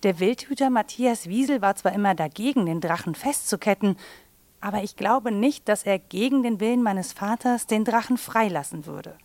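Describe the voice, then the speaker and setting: A woman's voice: mid-range voice, expressive, moderate pace, darkish tone, dry recording, close to an everyday voice. A woman voicing an unhappy young princess in a dramatic, storybook cartoon monologue for a mystery game. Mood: sorrowful, lamenting. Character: unhappy young princess, lamenting her captivity and wounded knight.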